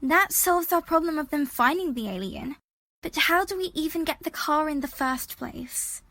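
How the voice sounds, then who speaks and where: A woman's voice: sits high, lively intonation, moderate pace, pushed and bright, no echo, heavily acted. A woman playing a defensive, sardonic young time-travelling adventurer in an audio drama. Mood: dry, practical.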